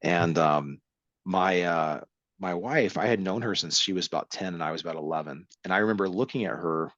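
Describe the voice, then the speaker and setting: A man's voice: sits low, brisk, a bit bright, no room sound. A middle-aged man with a mixed American, English and Irish accent, telling his story in a casual interview, rambling and correcting himself with wry humor. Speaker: interview guest. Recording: dull dry sound.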